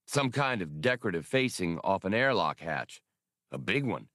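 A man voicing a gruff, terse companion in a space adventure audiobook, speaking matter-of-factly. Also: sits low, very animated, normal speed, pushed and bright, no room sound, clean studio sound, heavily acted. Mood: deducing. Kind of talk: audiobook character voice.

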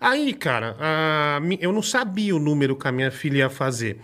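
High, bright-voiced Brazilian storyteller man. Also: normal speed. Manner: animated, swearing, acts out quoted voices. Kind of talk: casual chat, storytelling.

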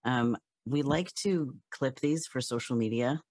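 A woman's voice: a bass voice, measured pace, a little mellow, no echo, studio quality. A woman in her thirties co-hosting a podcast, upbeat and encouraging. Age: 30s. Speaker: co-host.

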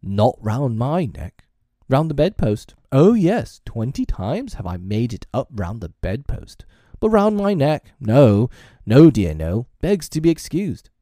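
A man's voice: fairly low pitch, sing-song, slow, no echo, clean studio sound, heavily acted. Man acting a blustering, theatrical storybook father. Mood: sarcastic ranting. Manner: loud, sarcastic, pompous. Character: blustering, self-pitying, theatrical middle-aged father. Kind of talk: storybook character reading.

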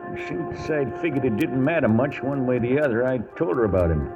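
An actor playing a folksy old cowhand with an American accent, narrating a cattle drive in rustic, ungrammatical Western speech in a radio western. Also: male voice, medium pitch, animated, brisk, lightly acted. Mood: wry. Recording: muffled vintage radio recording with music.

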